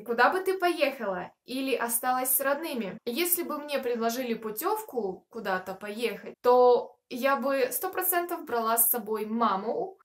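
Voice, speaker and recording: A woman of twenty-one chatting casually to camera as a video blogger answering viewer questions, in a reflective, talkative manner. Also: high-pitched. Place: small furnished room, indoors.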